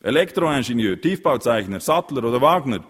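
A man's voice: mid-range voice, animated, brisk, husky, in a large hall, pitched above the performer's own voice. A man reading an audiobook voices a grumpy, mocking small-town mayor who rattles off questions.

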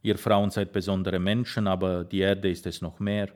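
A man voicing an earthy, devoted old farmer in an audiobook reading, calm and grave. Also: deep voice, normal speed, close to an everyday voice. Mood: earnest.

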